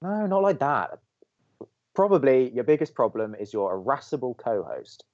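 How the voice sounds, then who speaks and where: A man playing a sarcastic, reluctant young college radio co-host with an American accent and a deadpan manner, in audio drama banter. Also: mid-range voice, moderate pace, dull audio, close to an everyday voice. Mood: exasperated. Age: young adult.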